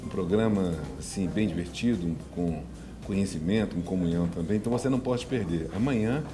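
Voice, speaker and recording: A deep-voiced pastor talks fairly quickly on a TV talk show, chatting casually and making church announcements to promote services. His delivery is upbeat and promotional, broken by laughs, with a music bed playing behind him.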